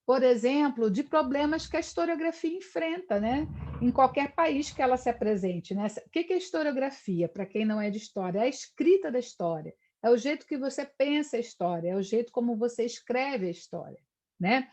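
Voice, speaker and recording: Here a middle-aged woman from Brazil delivers a live online history lecture, her voice a little high, darkish and expressive, her pace brisk. Long, meandering passages are punctuated by frequent "né?" tags.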